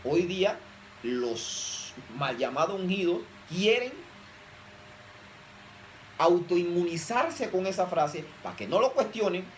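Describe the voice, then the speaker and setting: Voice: mid-range voice, animated, slow pace, long pauses, a little hiss or hum, low-quality recording. A preacher giving an emphatic sermon, often posing rhetorical questions to the audience.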